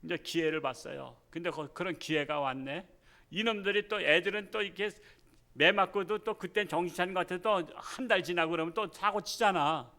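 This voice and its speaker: A man's voice: high-pitched, brisk, sharp tone. A male pastor preaching a Sunday sermon, emphatic as he reads scripture and tells a story. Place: church service.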